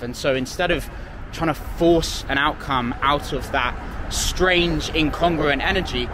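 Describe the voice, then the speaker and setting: A man in his twenties talks in a relaxed, chatty way as a dating coach, recorded outdoors on a city street. Traffic hum runs clearly beneath his mid-range voice. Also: mid-range voice. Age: 20s. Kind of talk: street approach vlog with commentary.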